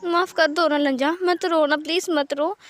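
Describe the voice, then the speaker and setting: A woman voicing an apologetic young man, high and coaxing. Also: steady tone, normal speed, natural voice. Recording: faint background music.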